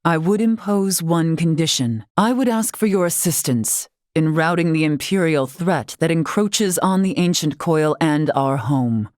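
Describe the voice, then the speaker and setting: For a scripted fantasy video game, a woman voices a dignified older tribal chief, a wise leader and warrior. Her low, darkish register carries formal, archaic, measured and stately phrasing. The studio recording is dry with no echo.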